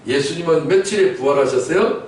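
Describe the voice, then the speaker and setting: A man's voice: on the high side, animated, a little fast. Male pastor preaching in an echoey church. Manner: emphatic preaching with questions to the congregation; rhetorical repetition and sudden loud outbursts. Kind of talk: sermon. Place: church sanctuary. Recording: echoey church from a distance, faint noise.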